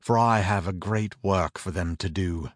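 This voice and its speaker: A man's voice: sits low, dry recording, studio quality. A man voicing a stern commanding king. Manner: slow, commanding.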